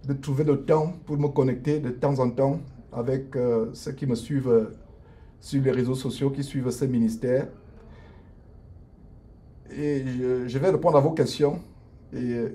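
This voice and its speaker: A middle-aged man with a mellow, dark voice preaches on an unscripted live stream. He speaks in an earnest, preachy way, stalling often on long fillers and restarting his sentences. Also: medium pitch. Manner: hesitant, many drawn-out fillers and restarts. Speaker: lawyer and online minister. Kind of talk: improvised live stream, answering viewers. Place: his law office at lunch break.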